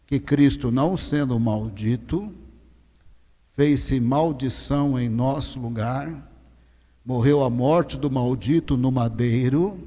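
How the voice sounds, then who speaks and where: A male pastor preaching a sermon, swinging from low, slow emphasis to loud, rising exhortation. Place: large church hall. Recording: long church reverb.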